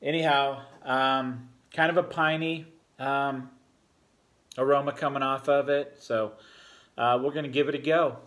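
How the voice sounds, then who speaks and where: A man in his forties gives a relaxed, rambling beer review full of fillers, talking at a table in a home bar room. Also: medium pitch, unhurried. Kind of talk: casual beer review vlog. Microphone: fixed camera at a table.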